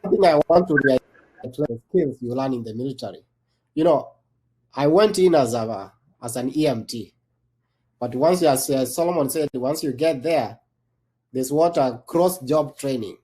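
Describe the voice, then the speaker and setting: A man's voice: medium pitch, normal speed, a little mellow, low-quality recording. A Kenyan-born man and army veteran, speaking as a guest on a panel discussion, talking loosely with many restarts and fillers.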